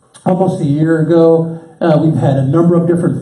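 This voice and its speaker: The speech comes at a moderate pace with audible room echo. Noticeable background noise runs underneath. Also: man. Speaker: city planning director. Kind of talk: public presentation. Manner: loud.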